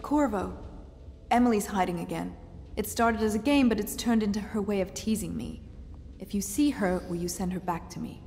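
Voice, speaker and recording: An actress playing a polite, patient young tutor in a video game. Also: female voice, mid-range voice, moderate pace, darkish tone, close to an everyday voice. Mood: patient, mildly exasperated. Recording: reverberant, faint noise.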